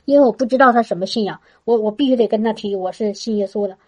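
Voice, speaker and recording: A woman's voice: medium pitch, fast talker. A woman telling a testimony to a congregation in a chatty way, with frequent restarts and a tag particle at the end of her phrases. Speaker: church speaker giving a testimony.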